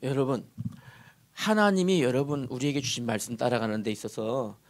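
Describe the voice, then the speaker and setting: A male pastor preaching a sermon in a church sanctuary, animated and often asking the congregation questions. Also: medium pitch, normal speed.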